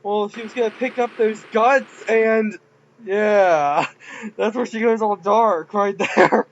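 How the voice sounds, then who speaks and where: A man's voice: high voice, slow pace, muffled recording, slight background noise. A man casually commenting on his own game files, rambling and giggly. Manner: rambling, giggly, self-mocking. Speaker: game modder.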